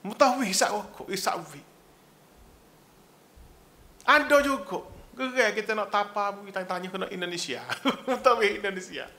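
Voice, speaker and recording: A Kelantanese man preaches in a high, bright voice. He talks animatedly, slipping jokes in among earnest exhortations. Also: normal speed, long pauses. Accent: Kelantanese Malay. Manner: animated, mixes humour with exhortation. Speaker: religious preacher. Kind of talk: religious lecture.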